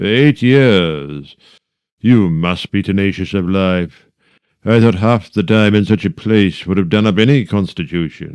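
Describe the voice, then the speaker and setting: Slowly and gruffly, a man puts on a character voice pitched fairly low. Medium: audio drama. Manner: gruff, abrupt.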